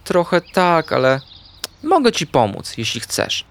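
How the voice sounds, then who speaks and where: A man's voice: on the high side, wildly swooping pitch, measured pace, creaky, fairly bright tone, slight background noise, pitched above the performer's own voice, full character voice. A man voicing a shy, polite little girl piglet in a children's storybook. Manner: timid, polite.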